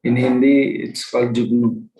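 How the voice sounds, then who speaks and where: A man, a spiritual teacher telling a story to an online group, slow and pausing, often asking his listeners questions. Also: medium pitch, little pitch movement, warm tone. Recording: roomy echo.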